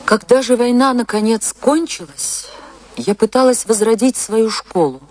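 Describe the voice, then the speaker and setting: An actress as a slow, theatrical woman dancer. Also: on the high side, a little mellow, natural voice. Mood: sorrowful. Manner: theatrical, measured, with dramatic pauses. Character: famous woman dancer recalling her tragic life, impassioned and sorrowful. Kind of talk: dramatic first-person radio play monologue.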